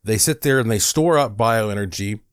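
A man's voice: lowish voice, normal speed, clear, resonant tone, no echo, studio quality. A man talking through an explanatory monologue in a conversational way, with occasional fillers and restarts. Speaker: host presenting a product video.

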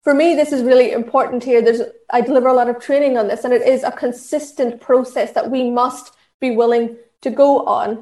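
An Irish woman with a fairly high voice speaks earnestly, teaching in an instructive, steady way, often restarting her sentences and adding fillers. Her voice rings in an echoey room. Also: fairly quick, few pauses. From Ireland. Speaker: diversity and inclusion trainer. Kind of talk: talk at an online session.

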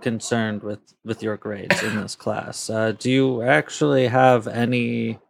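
A man playing a fussy, stern college professor who talks slowly and haltingly, filling gaps with uh's. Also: mid-range voice, flat delivery, creaky, no echo. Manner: slow, halting, full of uh's.

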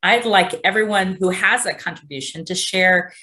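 Woman host, bright tone, warm praise for each speaker, video-call sound. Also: fairly low pitch, normal speed, low-quality recording. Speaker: panel host and organizer. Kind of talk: moderating an online panel.

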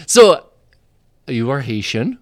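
A man co-hosting a casual podcast interview, animated and laughing. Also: medium pitch, slow pace, no room sound, studio quality. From Canada. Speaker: podcast co-host.

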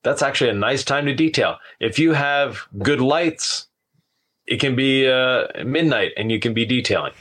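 A mid-pitched man in casual podcast conversation. He explains practical advice in an easygoing way, as an experienced host. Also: moderate pace, fairly bright tone.

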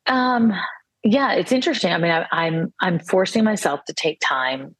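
Husky low-voiced woman in her fifties. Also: sing-song, normal speed, no echo. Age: 50s. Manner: reflective, earnest, with frequent restarts. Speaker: guest. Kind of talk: casual conversation.

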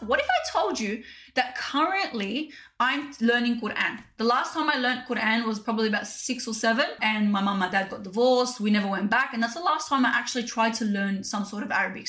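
Aussie woman in her 30s, chatty podcast host, bright kinda high voice. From Australia. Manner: chatty, direct, addresses listeners as "you guys". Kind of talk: casual solo podcast talk.

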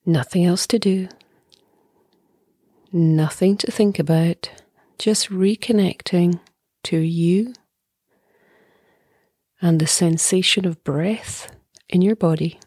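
A middle-aged woman leading a guided meditation as a teacher, speaking softly and breathily in a calm, gentle way with long pauses. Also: fairly low pitch, no room sound, clean studio sound. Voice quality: soft, breathy.

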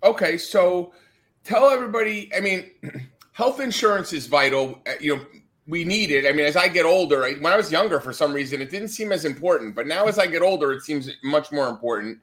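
A man's voice: fairly high pitch, lively intonation, fairly quick, a bit bright. A man with a New Jersey accent hosting a podcast, asking his guest questions in a rambling, friendly way. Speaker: podcast host. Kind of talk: podcast interview.

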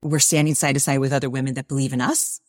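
A woman's voice: very deep voice, steady tone, quick pace, dry recording, studio quality. A woman in her forties, a guest on an interview podcast, talking in an upbeat, encouraging way. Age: 40s.

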